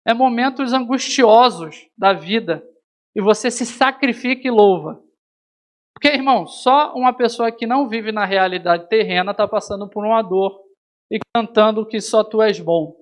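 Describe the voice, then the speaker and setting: A man's voice: high voice, normal speed. A man from Brazil preaching a sermon, telling a personal story and calling his listeners brother. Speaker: pastor. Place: church hall.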